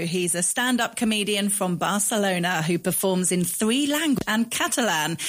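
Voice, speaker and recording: A woman hosting an afternoon radio interview, friendly in her questions. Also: medium pitch. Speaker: radio host.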